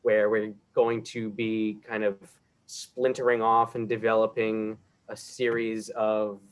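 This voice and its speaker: Young man, low voice, slow-paced, chatty panel talk, video call. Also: completely flat delivery. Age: young adult. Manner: chatty, explains at length. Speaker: acting student panelist. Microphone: video call mic.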